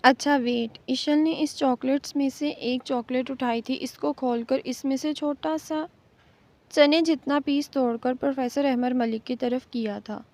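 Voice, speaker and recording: High-voiced woman reading a novel. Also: steady tone, dark tone. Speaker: novel reader. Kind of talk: scripted audiobook narration. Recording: muffled lo-fi recording.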